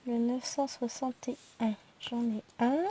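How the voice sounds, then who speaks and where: A woman with a stuffy nose, casually counting her thread skeins aloud in slow, quiet numbers and chatting in asides. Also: on the high side, fairly even intonation, slight background noise. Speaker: cross-stitch YouTuber.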